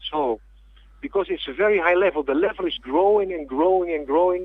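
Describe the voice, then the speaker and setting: At a fairly quick pace, a man speaks at a high pitch in a Dutch accent. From Netherlands. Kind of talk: radio interview. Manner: halting.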